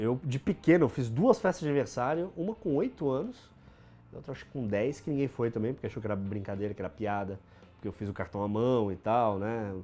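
Fairly quick and lively in intonation, a man speaks in a dark, mellow tone with big swings in loudness. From Brazil. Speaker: internet humorist, website creator; interviewee, internet humor site creator. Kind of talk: interview monologue, casual storytelling. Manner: casual, filler-heavy. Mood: relaxed, amused storytelling. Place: office. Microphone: lapel.

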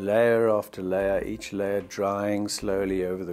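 Faint music plays in the background as a man speaks slowly-ish, at a fairly slow pace, with a fairly low pitch. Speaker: gallery owner. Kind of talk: interview answer. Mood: admiring, thoughtful. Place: home room.

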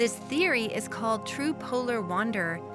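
A woman's moderately paced speech comes over music in the background. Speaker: voice actor. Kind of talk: documentary narration.

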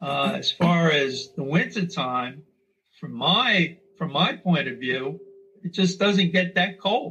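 Very slow speech from a man, high in pitch, with ordinary pitch variation. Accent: New York. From Brooklyn and Staten Island, New York. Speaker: retiree. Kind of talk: podcast interview answer.

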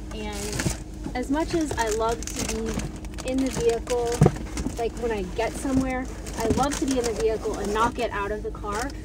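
Over loud background noise, a woman's voice comes through dry, with no echo. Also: moderate pace. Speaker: car camper vlogger. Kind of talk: casual vlog chat. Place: car. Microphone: phone near.

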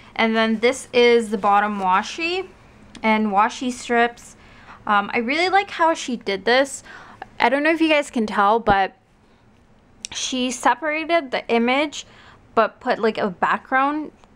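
A woman talks with a high pitch at a fairly slow pace. She leaves long, frequent pauses. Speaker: planner hobby vlogger. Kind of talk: casual vlog chat. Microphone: camera far.

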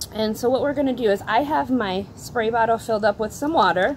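A woman speaks with lively intonation against light background noise. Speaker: childcare teacher. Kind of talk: tutorial. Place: street.

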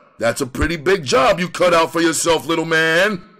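Growling in a put-on character voice, a man delivers his lines at a moderate pace with a high pitch. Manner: growling, threatening.

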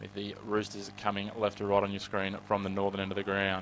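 A man's fairly low voice with an Australian accent, at a fairly quick pace. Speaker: rugby league commentator. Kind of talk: live rugby league commentary. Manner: fast, clipped play-by-play delivery; excitable, rising with each try.

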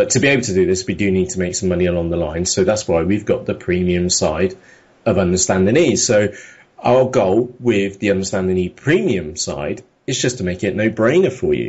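Speaking fairly quickly with a British accent, a man uses a very deep, low voice and ordinary pitch variation. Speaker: entrepreneur and online tutorial creator. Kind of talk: casual chat.

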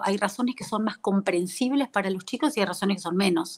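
The speaker talks at a very fast pace with an Argentine accent and ordinary pitch variation. The background is quiet. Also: woman. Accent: Argentine Spanish (Rioplatense). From Argentina, Arrecifes (Buenos Aires province). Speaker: Argentine emigrant and mother sharing experience. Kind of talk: interview conversation. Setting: video call on live stream. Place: home room. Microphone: earbuds.

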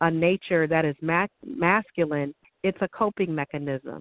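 In a dry sound with no echo and a quiet background, a woman with an ordinary speaking voice speaks at a moderate pace and fairly low pitch, with ordinary pitch variation. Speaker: co-host. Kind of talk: religious discussion. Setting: phone call. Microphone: phone line.

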